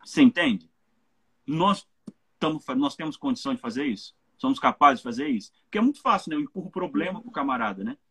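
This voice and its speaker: A man's voice: mid-range voice, expressive, quick pace, a bit bright, husky. A Brazilian man, a pastor, speaking earnestly in a live church talk and often checking in with his listeners. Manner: earnest, keeps checking in with "né?" and "entende?".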